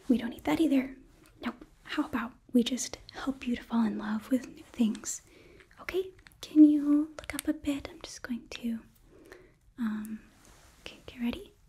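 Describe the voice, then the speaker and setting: A young woman playing a cheerful, nurturing demon princess hotelkeeper in a whispered ASMR roleplay, breathy, gentle and halting, close to the mic. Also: on the high side, close to an everyday voice. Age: young adult. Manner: gentle, bubbly, halting, reassuring. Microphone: close microphone, facing camera.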